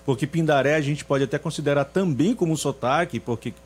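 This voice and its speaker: A man's voice: on the high side, a little fast. Reflective man from being interviewed. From São Luís, Maranhão, Brazil. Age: around 50. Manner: reflective, hesitant, many restarts. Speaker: singer guest. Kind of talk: radio interview.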